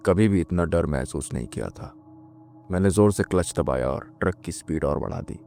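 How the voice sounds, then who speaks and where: A man telling a scripted first-person horror story in a slow, measured way. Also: sits low, creaky, warm tone, a little hiss or hum.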